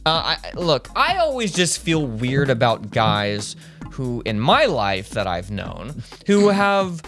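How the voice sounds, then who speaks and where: A man's voice: medium pitch, huge pitch swings, slow pace, a bit bright, faint music behind. A man in his thirties from Tennessee, co-hosting a podcast in a casual, rambling way, often breaking off mid-sentence. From Nashville, Tennessee. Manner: rambling, self-interrupting, amused. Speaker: podcast co-host. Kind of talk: casual chat.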